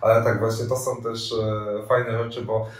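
Speaking at a moderate pace in a level, rather low voice, a thirtysomething volunteer coordinator responds to interview questions with plenty of fillers, hesitations and restarts. The setting is an indoor room with armchairs and a radiator, and the echoey recording comes from a mic placed at a distance.

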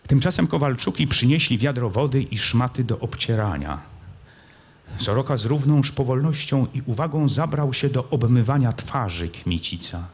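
Husky male actor reading prose aloud. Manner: expressive, swings from slow and low to loud and urgent. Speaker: actor reading a novel to a live audience. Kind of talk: dramatic live reading of classic prose. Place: outdoor public event in a park. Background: live music accompaniment.

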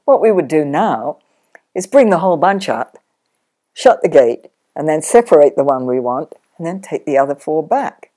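An older woman sheep farmer, chatty and practical, explaining her farm work step by step in a relaxed interview at home. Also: low voice, moderate pace. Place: sunlit living room, in an armchair.

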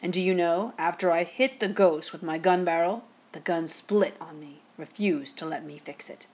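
A woman playing a quick-witted, teasing father who spins a ghost tale with drawn-out suspense. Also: on the low side, darkish tone, close to an everyday voice.

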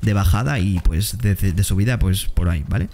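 A man giving excitable, slangy commentary while playing a game. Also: deep voice. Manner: excitable, slangy, quick exclamations to opponents. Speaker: gaming streamer. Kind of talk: gameplay commentary. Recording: gameplay noise and gunfire behind.

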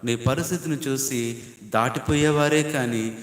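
A man preaching a sermon as pastor, building emphatic repeated points and rising to loud appeals to his listeners. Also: medium pitch, a little slow. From India. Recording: echoey hall with long reverb.

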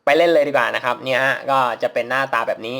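A man's voice: mid-range voice, very fast, vocal fry, bright, forceful tone. A man casually commentating as he plays a mobile game, polite and chatty, laughing at his own mistakes. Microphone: phone mic while playing on a phone.

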